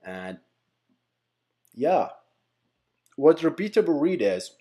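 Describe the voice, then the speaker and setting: A man's voice: fairly high pitch, big pitch swings, slow pace, warm tone. A man giving an informal lesson as host, explaining by example in a rambling way, often repeating and correcting himself. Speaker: tech teacher and channel host. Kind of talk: casual whiteboard-style lesson, explaining by example.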